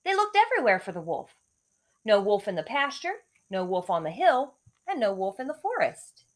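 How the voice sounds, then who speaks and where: Animated woman reading aloud to children. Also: medium pitch, normal speed. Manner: expressive, clearly addressing children. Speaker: elementary school teacher reading to pupils. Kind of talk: read-aloud storytelling for young children.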